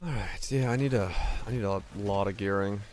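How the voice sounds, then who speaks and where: A man with a raspy voice giving loose, profane live commentary as a game streamer and answering chat offhand. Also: lowish voice, fairly quick, a little mellow, a little hiss or hum. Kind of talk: casual live gameplay commentary.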